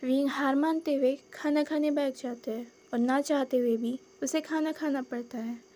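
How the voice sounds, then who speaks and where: High-voiced woman reading a fan story. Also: steady tone, normal speed, warm tone. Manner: conversational storytelling with speech tags. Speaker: channel host and storyteller.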